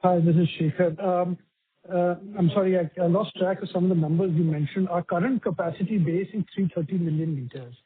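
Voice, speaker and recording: Male executive, notably high voice, measured and polite, thin telephone sound. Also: steady tone. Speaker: company executive answering analysts. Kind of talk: conference call answers. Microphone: phone conference call. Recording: tinny narrowband phone line.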